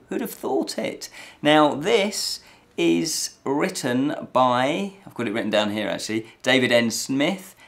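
A man in his forties hosting a review show, talking to camera in an animated, emphatic, conversational way. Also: fairly high pitch, vocal fry. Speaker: host of a fantasy review show. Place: small indoor room with fabric backdrop.

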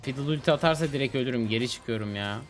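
A young man streaming a game, chatting with a teammate in an exasperated, animated, slangy way. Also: mid-range voice, rapid-fire. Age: young adult. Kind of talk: live gameplay commentary and casual chat with teammate. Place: indoor gaming room. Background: game music and sounds.

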